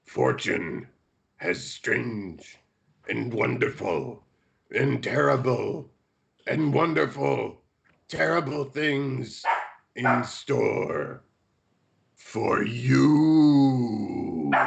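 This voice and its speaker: Putting on a character voice, a man speaks very slowly at a medium pitch, gravelly and strained, with long, frequent pauses. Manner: ominous, cryptic.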